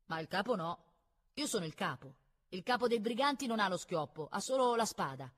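A woman's voice: mid-range voice, lively intonation, fairly quick, a bit bright, voice pushed up. Woman doing a proud boastful young boy. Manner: indignant, boastful.

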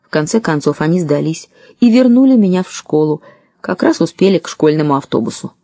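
A woman narrating a first-person audiobook story in a lively, wry way. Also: sits low, brisk, no echo, clean studio sound.

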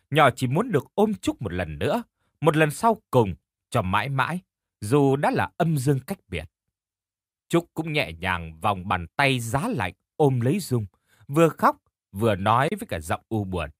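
A man reads a horror audiobook with dramatic, emotive narration. His voice is husky and swings widely in pitch. The recording is close and dry. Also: dry recording. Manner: emotive, expressive storytelling.

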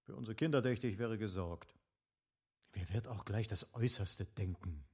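An actor playing an evasive, lovestruck middle-aged gentleman husband in a literary radio drama, with formal, articulate phrasing. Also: on the low side, normal speed, breathy edge. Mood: evasive, reasoning.

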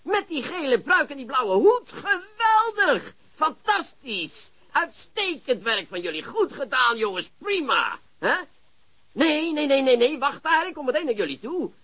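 Excitable high-pitched police chief. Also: male voice, a little slow, full character voice. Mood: astonished, indignant, then delighted, eager. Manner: exclamatory, chuckling, repeats himself. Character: excitable, gleeful male police chief, easily astonished. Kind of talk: radio drama acting.

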